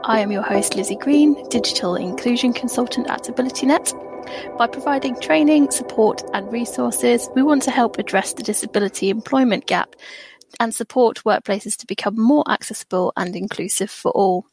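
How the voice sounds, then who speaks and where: Higher-voiced English woman hosting a podcast. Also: moderate pace, music in the background, low-quality recording. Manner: upbeat, laughs often. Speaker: podcast host. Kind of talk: scripted intro then interview chat.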